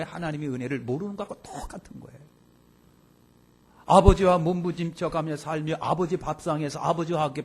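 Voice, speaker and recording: A male pastor preaching a sermon in a church, telling a story in an animated way with loud, emphatic bursts. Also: a little high. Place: church sanctuary.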